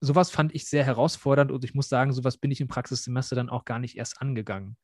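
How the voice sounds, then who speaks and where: A man's voice: mid-range voice, fairly even intonation, fast talker, dry recording, studio quality. A young man in his twenties, a student teacher, talking reflectively and earnestly as a podcast guest. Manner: reflective, earnest, many fillers. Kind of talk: podcast interview.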